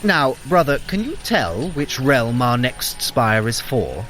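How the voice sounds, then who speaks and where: An actor playing a sly, clever trickster god in an audio drama, with a wry, theatrical, condescending manner. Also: male voice, medium pitch, very animated, slow, a bit bright. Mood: testing, brisk.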